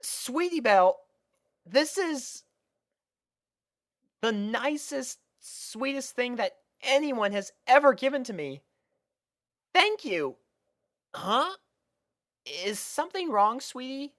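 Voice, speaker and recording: A young boy dragon, voiced by a woman, sweet and earnest. The pitch sits high and the delivery is a little hesitant, like an innocent cartoon kid in a closely recorded storybook. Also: big pitch swings, slow pace, long pauses, dry recording, clean studio sound, exaggerated voice. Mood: awed, grateful, then concerned, puzzled.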